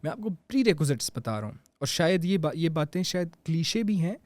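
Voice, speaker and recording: A man from Pakistan with a Pakistani accent, a public speaking guest on a podcast, talking earnestly and leaning slowly on key English phrases between quicker lines. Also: a little high, big pitch swings, darkish tone, no echo. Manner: earnest, slow emphatic English lines amid quick Urdu. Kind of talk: motivational podcast talk.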